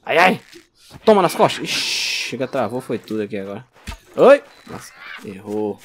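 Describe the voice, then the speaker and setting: Over slight background noise, a gameplay streamer with a fairly low voice and a Brazilian accent speaks at normal speed. He gets excitable, yelping and talking back to the zombies in his casual commentary.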